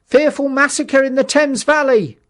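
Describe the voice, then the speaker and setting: A man's voice: very high voice, moderate pace, pitched above the performer's own voice. A man voicing an urgent street newspaper seller in an audiobook, bawling out alarming headlines. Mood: urgent, alarmed. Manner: crying out headlines loudly.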